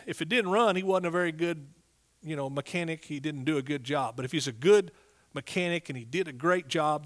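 Preacher, male, middle age. East Texas accent, pitch a little high, folksy and emphatic sermon style. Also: fairly bright tone. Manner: folksy, emphatic, prompts listeners with amens and hallelujahs.

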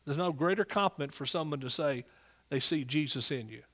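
Preacher, male, middle age. East Texas accent, pitch a little high, folksy and emphatic sermon style. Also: brisk, fairly bright tone. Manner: folksy, emphatic, prompts listeners with amens and hallelujahs.

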